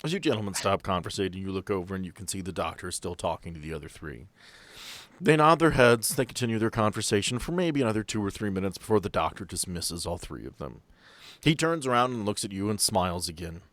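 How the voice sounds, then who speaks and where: A man narrating as game master of a tabletop game, describing scenes in a measured way. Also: low-pitched, animated, fairly bright tone, no room sound.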